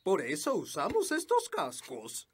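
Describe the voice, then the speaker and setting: Swooping, solemn old elf. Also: female voice, fairly low pitch, huge pitch swings, measured pace, slight background noise. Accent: Latin American. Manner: explanatory, solemn. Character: wise old male elf, patient, solemn guide. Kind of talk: cartoon dub dialogue. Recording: loud music behind.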